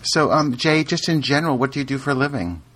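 A man's voice: medium pitch, expressive, fairly bright tone, slight background noise. A man hosting a casual interview, asking questions and laughing easily. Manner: inquisitive, quick to laugh. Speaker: host.

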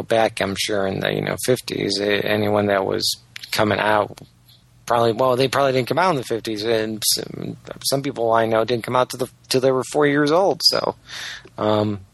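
A man's voice: fairly low pitch, level tone, normal speed, vocal fry, fairly bright tone, dry recording, low-quality recording. A man co-hosting a casual chat, rambling through his points with many fillers.

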